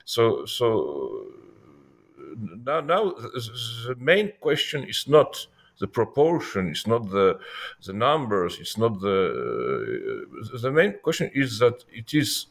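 Man, Polish accent, low gravelly voice, hesitant non-native English, scholarly interview guest. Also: huge pitch swings. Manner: halting, searching for words, non-native English. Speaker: historian and author being interviewed.

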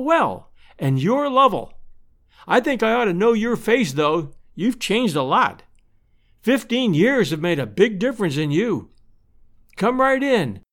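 A man's voice: high voice, fairly bright tone, pitched above the performer's own voice, heavily acted. A man voicing a cheery, kind-hearted, talkative rural married woman from a storybook, in a folksy, fretful manner. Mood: warm welcome. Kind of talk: storybook character voice.

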